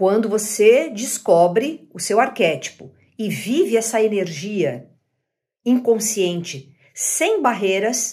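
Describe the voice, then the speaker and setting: Her pace is very slow. This woman's fairly high voice is somewhat breathy. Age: 60s. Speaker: physician and archetype teacher. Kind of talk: online lecture. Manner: didactic, conversational.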